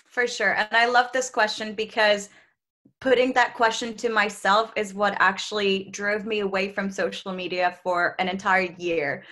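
A woman's voice: medium pitch, flat delivery, moderate pace, bright, forceful tone. A woman in her twenties, a native Czech speaker, chatting candidly and laughing often in a video-call interview from a small room at home. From Czech Republic. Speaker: travel content creator, guest. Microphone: video call, laptop mic.

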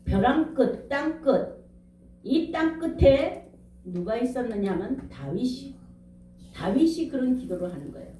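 A woman's voice: sits high, expressive, measured pace, dark tone, recorded from a distance, a little hiss or hum. A middle-aged woman pastor preaching a revival sermon with emphasis, firing questions at the congregation. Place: church sanctuary. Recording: echoey room, speaker off-mic.

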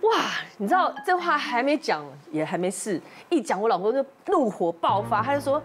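A woman in her fifties, a talk-show guest, telling an animated story and acting out both sides of the dialogue. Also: fairly high pitch, moderate pace, over music. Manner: lively, animated retelling with quoted dialogue. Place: TV studio.

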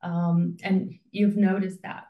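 A woman doctor on a video call, calmly summing up her patient's experience. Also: fairly low pitch, phone-quality sound. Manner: calm, measured, summarizing for the patient. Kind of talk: interviewing a patient. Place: room with a brick wall. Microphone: video call webcam. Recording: roomy sound, voice a bit far from the mic.

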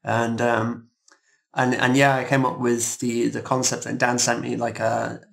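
Male composer guest from the UK, hesitant casual chat, even intonation, gravelly fry. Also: medium pitch. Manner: hesitant, halting, often repeats words.

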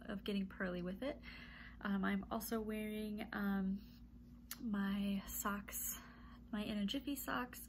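Congested, gravelly-voiced woman chatting at home. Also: medium pitch, darkish tone, slight background noise. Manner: chatty, rambling, frequent little laughs and ums. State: stuffy nose, a bit congested. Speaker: knitting podcast host. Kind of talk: casual chatty monologue to camera. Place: home room with yarn shelves.

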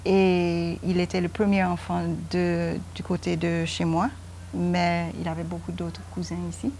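A woman's voice: lowish voice, completely flat delivery, a little slow, darkish tone, a little hiss or hum. A woman in her fifties from Guyana, a guest speaking hesitantly with many fillers on a home veranda. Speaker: interview guest, mother.

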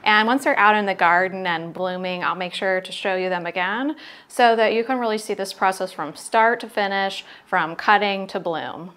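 A woman's voice: medium pitch, normal speed, fairly bright tone. A middle-aged American woman gardening vlogger, chatting directly to viewers as she shows plants in a casual tour style. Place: home garden outdoors and inside the house.

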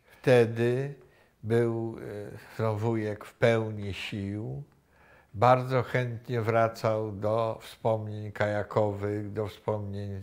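An older man being interviewed, recalling the past slowly with many pauses and restarts, recorded on a lapel mic in a room. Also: mid-range voice, darkish tone. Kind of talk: reflective recollection. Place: indoor room with wooden cabinets.

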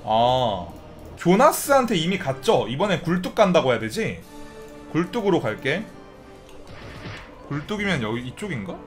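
A man casually commenting on his gameplay as a streamer, chatty and breaking into loud excited outbursts and swearing. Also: on the high side, normal speed, long pauses, faint music behind. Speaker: game streamer.

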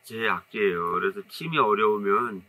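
With a strong Jecheon accent from North Chungcheong, Korea, a saxophonist in his fifties tells relaxed, modest, wandering stories as an interview guest. His voice is on the low side at normal speed, with slight background noise. The setting is an indoor studio with a curtain backdrop, filmed seated in a two-shot with an off-camera mic.

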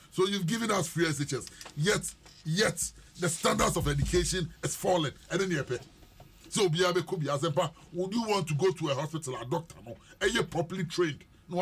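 A man's voice: fairly high pitch, a little hiss or hum. A middle-aged man with a Ghanaian English accent, a panelist arguing hard in a political radio debate in a studio. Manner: forceful, emphatic, talks over others. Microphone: studio mic on boom.

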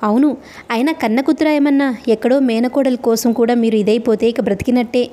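A woman's voice: fairly high pitch, steady tone, fairly quick, mellow, natural voice. A woman voicing a harsh, domineering new stepmother in a storybook reading, with a scornful, bossy manner.

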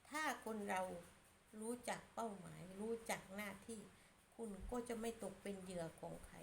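A woman's voice: mid-range voice, moderate pace, gravelly, a little hiss or hum. A woman giving a blunt, scolding opinion monologue as a channel commentator.

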